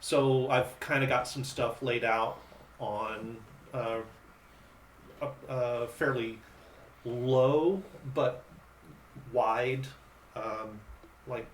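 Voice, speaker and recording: A man playing a tabletop roleplaying game, describing the scene in a rambling, halting way. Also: medium pitch, steady tone. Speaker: player. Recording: roomy distant mic with faint hiss.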